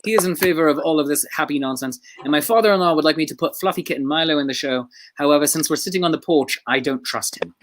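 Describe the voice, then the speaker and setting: A woman's voice: low-pitched, quick pace, few pauses. A woman hosting a casual live-stream chat from a porch, bubbly and easily delighted. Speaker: host.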